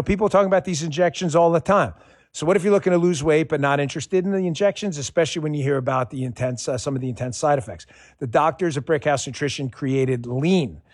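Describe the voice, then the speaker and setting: A man's voice: on the high side, no room sound, clean studio sound. A man as a radio host giving a casual, persuasive sponsor endorsement. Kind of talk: conversational sponsor read.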